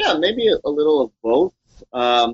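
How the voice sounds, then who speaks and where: A man speaks with an American accent. He keeps a moderate pace. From US Midwest, Cleveland, Ohio. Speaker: poet and English professor. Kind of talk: interview; poetry reading.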